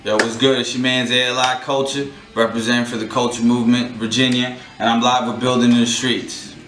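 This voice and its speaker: A man's voice: mid-range voice, level tone, brisk, over music. A man in his late thirties, born in Pakistan and raised in California, talking casually as a rapper being interviewed, often repeating and restarting his words. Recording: roomy sound from a distant mic.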